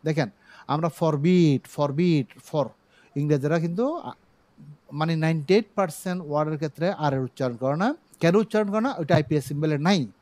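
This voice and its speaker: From his own studio, a middle-aged man from Bangladesh, speaking with a Chittagong Bengali accent, teaches English pronunciation online. He explains slowly and has students repeat words in a fairly high, expressive, darkish voice, with no room sound.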